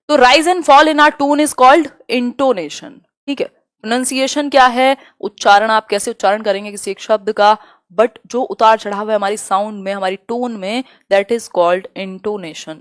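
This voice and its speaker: A woman teaching an exam-prep lesson live, reading questions aloud slowly and chatting with viewers as she explains. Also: medium pitch, smooth, no echo, studio quality. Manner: chatty, answers viewers' comments.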